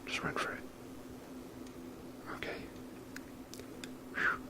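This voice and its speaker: A man whispers ASMR video game commentary in a rambling, wry, sweary manner, close to the microphone. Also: slow pace. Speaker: video game streamer making ASMR gameplay.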